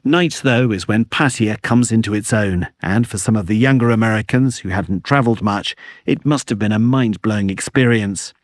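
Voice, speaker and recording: A man reading a scripted radio dispatch as a foreign correspondent, in a measured, wry way. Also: lowish voice, no room sound, studio quality.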